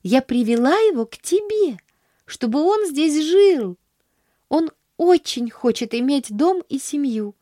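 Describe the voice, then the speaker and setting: Woman playing an eager, high little girl. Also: expressive, measured pace, warm tone, dry recording, clean studio sound. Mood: pleading.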